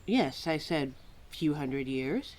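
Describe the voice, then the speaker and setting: A woman's voice: low voice, expressive, takes it slowly, darkish tone. A woman playing a scatterbrained, centuries-old keeper of forgotten lore in a roleplay audio drama, flustered and hesitant as she talks to a listener. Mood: flustered, curious.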